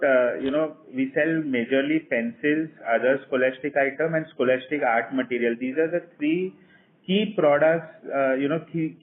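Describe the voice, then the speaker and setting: A man with an Indian accent, a company executive answering questions on an earnings call in a measured, explanatory way peppered with "you know". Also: on the high side. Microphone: phone conference call. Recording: tinny, narrow-band conference phone line.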